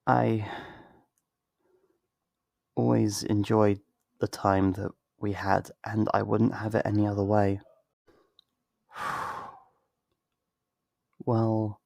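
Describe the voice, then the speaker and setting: A man acting in an ASMR roleplay as a tender, wistful best friend, speaking softly and earnestly in an intimate way, close to the mic. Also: lowish voice, creaky, no room sound. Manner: slow, intimate, earnest, with sighs and pauses. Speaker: ASMR voice actor. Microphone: close studio mic, dry.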